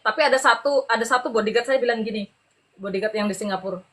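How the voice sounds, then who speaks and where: A middle-aged woman speaks as a podcast guest, telling her own story. Her voice is fairly high and bright, with a crisp edge. She tells it with lively energy, laughs easily, and switches into character voices for the people she quotes. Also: fast. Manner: animated, laughs often while telling the story. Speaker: podcast guest giving a testimony. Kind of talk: conversational storytelling.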